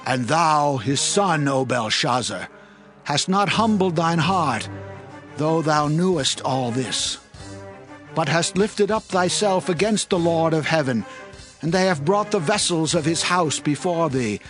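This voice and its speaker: An actor playing a righteous, fearless prophet in a dramatized scripture reading, declaiming solemnly in deliberate phrases. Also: male voice, fairly high pitch, expressive, fairly bright tone. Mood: stern, accusing. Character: righteous, fearless Hebrew prophet rebuking a king. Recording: music behind the voice.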